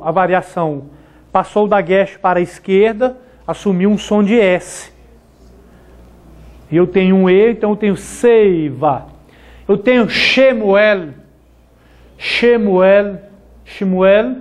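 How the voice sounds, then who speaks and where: A man's voice: high-pitched, darkish tone. A man teaching a classroom lesson, who repeats each word and ends his phrases with "né?" and "tá?". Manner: slow and deliberate, repeating words and ending with "né?" and "tá?". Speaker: Hebrew teacher. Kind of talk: classroom lecture.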